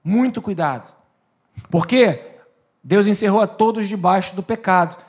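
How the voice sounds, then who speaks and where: A man preaching a sermon as pastor, swinging between loud emphatic lines and hushed asides. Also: sits high, normal speed.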